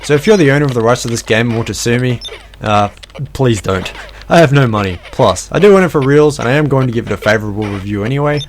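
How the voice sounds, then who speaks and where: Guy doing a retro game review voiceover, dry self-mocking jokes, mid-pitch voice, soft music underneath. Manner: wry, self-deprecating jokey asides. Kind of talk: scripted video game review narration.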